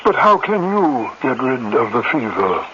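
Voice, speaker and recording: An actor playing a stern tribal elder and judge in a radio drama, speaking in a formal, pronouncing manner. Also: male voice, mid-range voice, sing-song, unhurried, bright, forceful tone. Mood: grave. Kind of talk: 1970s radio drama acting. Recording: muffled, noisy old radio recording.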